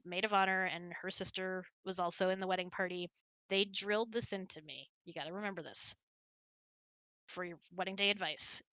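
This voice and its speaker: A woman's voice: medium pitch, sharp tone, smooth, dry recording. A woman hosting a casual hangout, telling stories and answering questions in a chatty, rambling, giggly way. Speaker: host of an online hangout.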